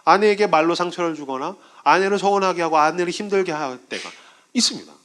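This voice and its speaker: A man's voice: sits high, fast, a bit bright. A man preaching a sermon as pastor, telling stories and acting out the voices of people in his examples. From South Korea.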